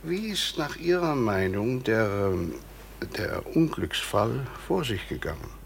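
An actor playing a formal, probing justice official in a radio crime drama, with measured, insistent questioning. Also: male voice, medium pitch, very animated, gravelly, a little hiss or hum, heavily acted. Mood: sceptical, pressing. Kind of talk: German radio play acting.

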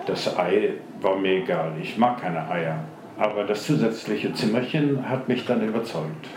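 An actor playing a plain-spoken programme participant giving matter-of-fact testimony in a radio play. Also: male voice, on the low side, measured pace, a crowd in the background, close to an everyday voice. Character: plain-spoken male programme participant recounting his choice. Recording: echoey, clearly noisy recording.

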